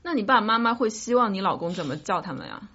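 A woman's voice: medium pitch, very animated, fast talker, pushed and bright, husky. A woman hosting a podcast, chatting casually with friends in a group. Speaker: podcast host. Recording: dull lo-fi sound, faint noise, clicks.

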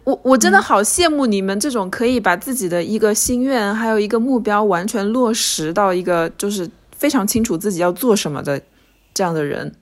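A woman co-hosting a podcast, chatting casually, earnest and quick to laugh. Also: medium pitch, expressive. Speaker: podcast co-host. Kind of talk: casual chat.

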